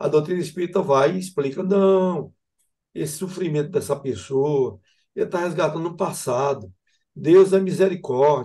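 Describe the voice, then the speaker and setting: This man has a high pitch and a dark, mellow tone. He talks at a moderate pace with ordinary pitch variation. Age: 70s. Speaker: spiritist speaker. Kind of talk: interview conversation. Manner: halting.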